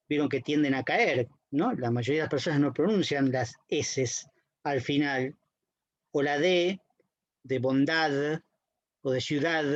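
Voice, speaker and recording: Man lecturing, a bit high-pitched. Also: no room sound, lo-fi sound. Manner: explanatory, checks in with "¿sí?" and "¿no?". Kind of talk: university lecture.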